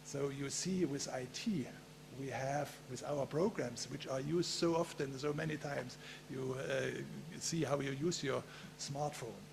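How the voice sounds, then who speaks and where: A man giving a conference talk in a halting way, with many filler pauses and a gravelly voice. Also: mid-range voice, background noise. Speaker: conference speaker.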